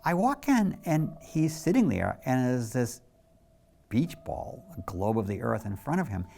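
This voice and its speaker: A man's voice: mid-range voice, very animated, a little slow, vocal fry, warm tone, slight background noise. A middle-aged male photographer narrating a documentary in a candid, reflective storytelling manner.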